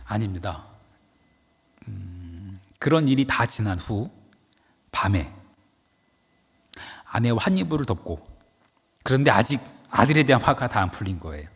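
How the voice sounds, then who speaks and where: Husky, animated man preaching. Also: lowish voice, measured pace, long pauses, long reverb tail. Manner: dramatic, emphatic, lively storytelling. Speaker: pastor. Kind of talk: dawn-service sermon. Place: church sanctuary.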